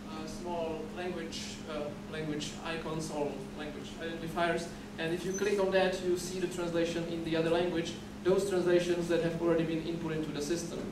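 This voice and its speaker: A man with a fairly high voice lectures at a podium in a dim, echoey hall as a conference speaker, presenting a talk. He's from the Czech Republic, a native Czech speaker, and explains steadily yet haltingly, repeating words and restarting. The podium mic is recorded by a far-off camera, giving noisy, distant sound.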